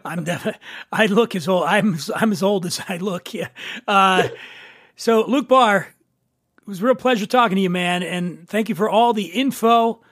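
A man's voice: high voice, moderate pace, a bit bright. A man from Philadelphia with a Philly accent, hosting a podcast in casual, joking banter. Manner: joking, laid-back banter. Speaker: podcast host. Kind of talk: casual chat.

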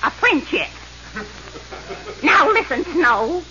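High-pitched, snappish wicked stepmother. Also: very animated, takes it slowly, sharp tone, exaggerated voice. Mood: snappish, scolding. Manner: wicked stepmother, curt and scolding. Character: cruel, snappish wicked stepmother of a fairy-tale princess. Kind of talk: 1930s-40s radio comedy acting. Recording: noisy, muffled old radio recording.

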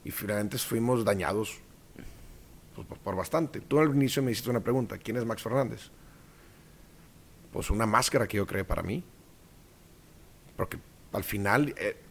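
A man with a Mexican accent, a guest actor in a casual interview, telling animated stories and acting out quoted voices. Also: mid-range voice, normal speed, creaky, long pauses.

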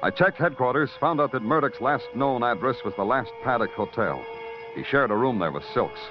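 A man's voice: mid-range voice, lively intonation, brisk, over music, natural voice. Man acting hard-boiled detective, sardonic, 1950s radio play, dull lo-fi sound. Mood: brooding narration. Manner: sardonic, clipped. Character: hard-boiled male detective, dry and wry. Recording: muffled old radio broadcast.

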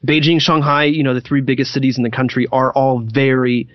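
A man talks as a guest in a casual interview, feeling his way toward words in a halting manner. His pitch is average, and the sound is close and dry but a little muffled. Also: level tone, no room sound. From United States. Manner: hesitant, searching for words. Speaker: podcast guest.

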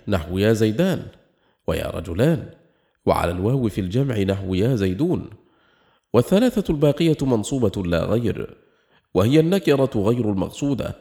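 Low, mellow-voiced man reciting grammar. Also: gravelly. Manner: measured recitation, slowing on quoted examples. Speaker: reader of a classical grammar text. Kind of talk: formal reading of a grammar treatise.

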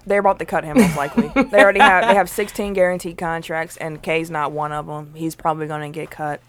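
Emphatic low-voiced woman leading sports talk. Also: flat delivery, fast talker. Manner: emphatic, slangy, leads topics. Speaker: podcast co-host. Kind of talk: casual sports chat.

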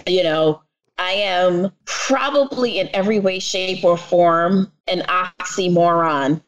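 A woman's voice: on the low side, takes it slowly, poor audio. A woman from the Bronx with a New York accent, a podcast guest chatting casually, laughing often and talking in long winding sentences. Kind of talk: casual conversation.

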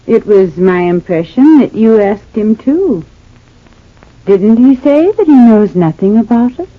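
An actress playing a kindly, homespun older matriarch with country turns of speech, in old radio-drama style. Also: female voice, a little high, sing-song, measured pace. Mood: homely warm. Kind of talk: 1940s radio acting. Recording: tinny thin old radio recording.

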